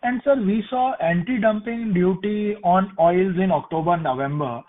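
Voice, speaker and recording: A man's voice: high voice, moderate pace. A man with an Indian accent, an investment analyst putting questions to company management on an earnings call. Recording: dry, thin phone line.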